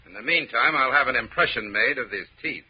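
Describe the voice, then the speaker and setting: An actor playing a gruff, impatient police inspector in an old radio drama, with a husky voice and a curt, bossy manner. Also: male voice, mid-range voice, expressive, brisk. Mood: irritated, stern. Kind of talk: 1940s radio drama acting. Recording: muffled old radio recording.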